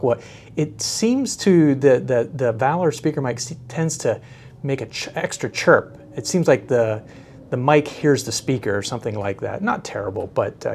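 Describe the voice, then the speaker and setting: Male product reviewer, mid-pitched, unscripted and casual, hesitant, searching for words. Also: creaky, a little mellow, a little hiss or hum.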